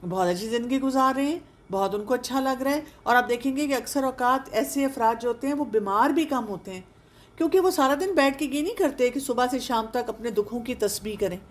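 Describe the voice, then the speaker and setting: A woman's voice: fairly high pitch, animated. Earnest woman coaxing listeners with rhetorical questions. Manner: mixes English words into her speech. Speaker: counselor and speaker on aging. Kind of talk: advice talk for older listeners.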